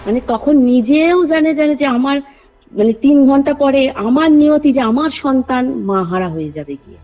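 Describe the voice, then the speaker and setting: Woman, phone caller, rambling earnest storytelling, higher pitch, muffled phone line, soft music underneath. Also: lively intonation, moderate pace. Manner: rambling, earnest, repeatedly addresses the host. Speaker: caller sharing a personal story. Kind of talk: telling a true ghost story over the phone. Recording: dull lo-fi phone call with faint music.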